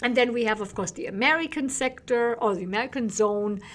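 A woman in her forties with a German accent, a historian giving an animated lecture over a video call from a small office. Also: a little high, brisk. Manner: animated, laughing, with short fillers. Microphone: podcast mic on desk, video call.

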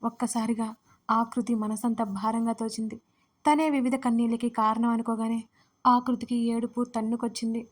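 A woman narrating an emotional romance audio story in a steady, gentle storytelling manner. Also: on the high side, normal speed.

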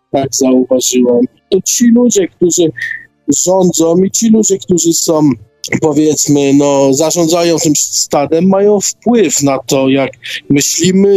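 A man's voice: high voice, dark tone, dry recording, poor audio. A man taking part in a casual radio discussion, repeating words as he searches for phrasing.

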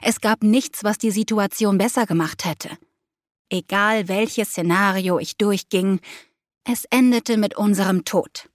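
A woman narrates an audiobook in the first person, in an expressive, emotive storytelling manner. Her voice sits at an ordinary middle pitch. The recording is dry and close, like a small studio booth. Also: measured pace, no room sound. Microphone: close studio mic.

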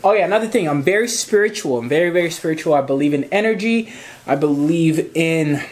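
A man's voice: a little high, animated, fairly quick. Chatty young man vlogging at home. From Zimbabwe. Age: 20s. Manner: chatty, rambling, gestures with hands, swears casually. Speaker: photographer and YouTuber. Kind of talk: casual vlog Q&A. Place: small indoor room at home.

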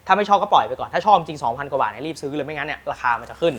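A man hosting a football news channel, telling the latest transfer stories with lively emphasis and then pitching rare team shirts. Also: racing. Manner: lively, emphatic storytelling with frequent polite particles. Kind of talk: energetic football news commentary and product pitch.

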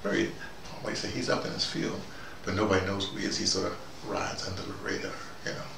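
A man plays an opinionated, easygoing intellectual guy with a low, gravelly voice. He rambles casually and argues his points, often digressing. He is recorded at a distance in an echoey, noisy room. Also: fast. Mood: casual, rambling. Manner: digressive, animated, argumentative, punctuated with "you know". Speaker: vlogger in character. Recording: distant mic, echoey room, loud background noise.

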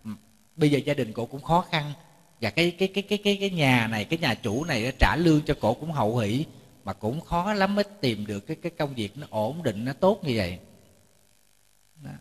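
A man's voice: a little high, animated, brisk, husky. A man, a Buddhist monk giving a chatty storytelling sermon, often repeating words and joking with his audience. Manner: jokes with the audience. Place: temple lecture hall. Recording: reverberant hall.

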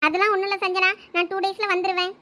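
A woman playing a sad, quiet young woman. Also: very high-pitched, flat delivery, very fast. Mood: gentle. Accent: Thoothukudi Tamil. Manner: subdued, reassuring.

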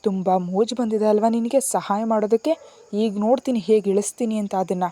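A woman's voice: medium pitch, fairly quick, warm tone, dry recording, close to an everyday voice. A woman reading a storybook aloud and voicing a harsh, strict father who barks orders. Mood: mocking, angry. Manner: commanding and harsh.

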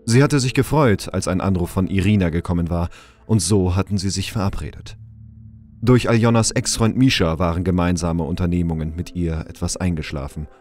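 A man's voice: low-pitched, a little fast, a little mellow, faint music behind. A man giving scripted narration for an audio drama.

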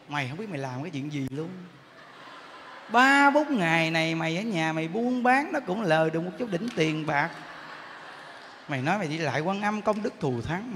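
A man's voice: sits high, pushed and bright, long reverb tail, slight background noise, heavily acted. A man playing a nagging wife who scolds her husband with sarcastic questions.

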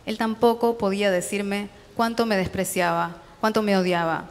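A woman with a Rioplatense accent reads literary fiction aloud at a festival, steady and measured. Her voice sits at an ordinary middle pitch, and a long hall reverb trails after each sentence. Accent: Rioplatense Spanish. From Argentina.

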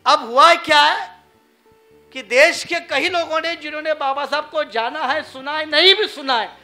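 A man's voice: very high voice, unhurried, bright, forceful tone, soft background music. A man giving a public lecture, asking the crowd rhetorical questions and mocking the people he quotes. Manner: rhetorical, asks the audience questions. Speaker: public speaker.

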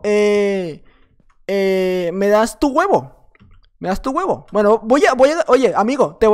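A young man giving excitable gameplay commentary at home, chatting nonstop, repeating words and breaking into shouts. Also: very high-pitched. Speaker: gaming YouTuber. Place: at home at night.

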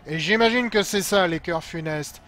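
This streamer's voice is high-pitched and a touch bright, delivered at normal speed. He riffs casually and a little sarcastically on his gameplay, with the game's sounds and atmosphere plainly in the background.

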